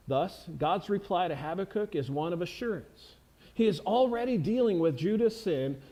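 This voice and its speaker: A man's voice: a little high, mellow, poor audio. A man preaching a sermon in a church, earnest and emphatic, asking the congregation rhetorical questions. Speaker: pastor. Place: church sanctuary.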